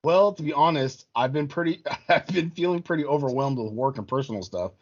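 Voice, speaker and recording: A man acts out a numb, low-spirited podcast co-host reading from a script. The pitch moves around a lot, and the recording is slightly dull. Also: animated, brisk. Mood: dejected. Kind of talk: reading a scripted dialogue aloud.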